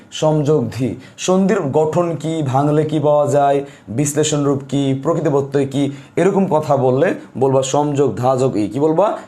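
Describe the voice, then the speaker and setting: A man teaches a grammar lesson in a fairly high voice. He repeats every point and keeps asking his students questions so they write it down. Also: mellow.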